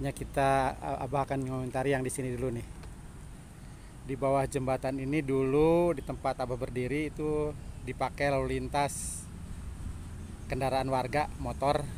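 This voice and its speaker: Over light background noise, a man talks at a moderate pace in a flat monotone, leaving long, frequent pauses. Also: dry sound with no echo. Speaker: railfan vlogger. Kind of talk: commentary. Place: open country. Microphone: phone near.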